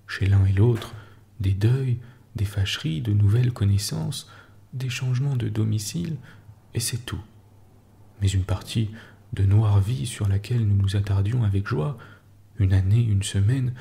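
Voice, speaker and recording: A man's voice: mid-range voice, gravelly, dark tone. A man voicing an aging man in his sixties who pleads with bitter urgency, pressing hard on each syllable, at times in a whisper. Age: 60s.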